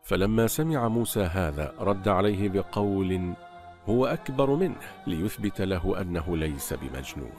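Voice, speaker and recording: A man narrating a religious story in a scripted, measured, solemn way. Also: deep voice, expressive. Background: soft background music.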